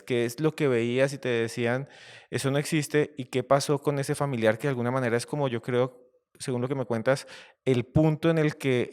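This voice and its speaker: A man's voice: mid-range voice, darkish tone, smooth. A man hosting an interview, asking long, rambling questions with hesitant restarts. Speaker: interview host.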